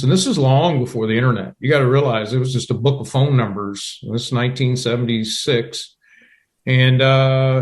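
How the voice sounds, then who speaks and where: A man, a guest in a radio interview telling his family story in an unhurried, folksy way with many "uh" pauses. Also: medium pitch. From Louisiana. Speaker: general manager, interview guest.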